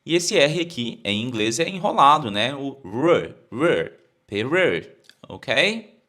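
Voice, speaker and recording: Brazilian teacher with an animated, lively voice. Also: male voice, medium pitch. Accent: Brazilian Portuguese. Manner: repeats phrases slowly for learners to copy. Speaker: English teacher. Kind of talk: explaining an English lesson.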